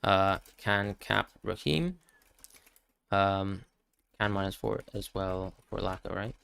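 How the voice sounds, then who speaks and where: A man hosting a live question-and-answer stream, talking quickly as he reads out viewers' questions and answers each one on the spot. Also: low-pitched, creaky, fairly bright tone, clean tone. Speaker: fantasy football stream host.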